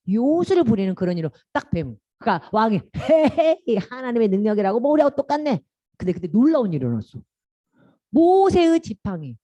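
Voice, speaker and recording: Woman, children's sermon teacher, animated, quizzing kids, lively pitch, dry close sound. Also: no room sound, muffled recording.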